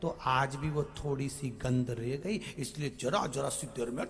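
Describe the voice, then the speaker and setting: A man from Madhya Pradesh giving a devotional Hindu sermon, moving between sung verses and emphatic preaching that swings from loud outbursts to soft asides. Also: medium pitch, a little slow. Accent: Madhya Pradesh Hindi. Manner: sings bhajan lines, then preaches with emphatic rising outbursts and soft drops. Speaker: kathavachak preacher.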